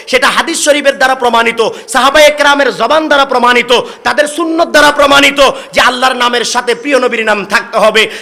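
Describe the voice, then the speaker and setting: A man's voice: very high voice, bright, forceful tone. A man from Bangladesh preaching a sermon, calling out to the gathering for responses. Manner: calls out to the crowd for responses. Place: religious gathering.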